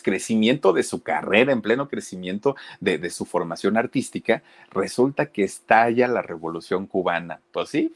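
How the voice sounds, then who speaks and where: A man tells a story in a casual, chatty way, often speaking straight to his listeners. His voice is low. His pitch swings widely and keeps him lively. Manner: chatty, addresses listeners directly. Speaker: storyteller host.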